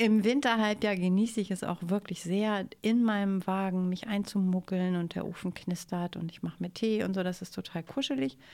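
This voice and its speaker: In a very clean recording with a silent background, a woman with a normal speaking voice talks at a moderate pace and medium pitch, using ordinary pitch variation and hardly any pauses. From northern Germany, Angeln region of Schleswig-Holstein. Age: 40s. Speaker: tiny-house project organiser. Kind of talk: interview.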